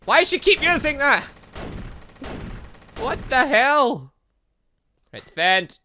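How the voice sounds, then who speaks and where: A man hosting a gaming video, giving excitable, exclamatory let's play commentary with muttered asides and game text read aloud. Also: very high-pitched, slow, a little hiss or hum.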